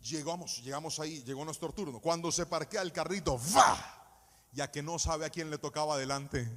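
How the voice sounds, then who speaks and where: A man's voice: a little high, a little fast. A man, an associate pastor preaching dramatically and telling a personal story. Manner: dramatic storyteller, shifts from hushed to shouted preaching. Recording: reverberant church hall.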